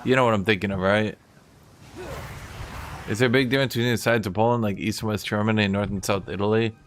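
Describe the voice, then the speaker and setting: A man's voice: lowish voice, fairly even intonation, quick pace, slight background noise. A man streaming a game, chatting casually and rambling to his viewers. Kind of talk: casual chat while gaming.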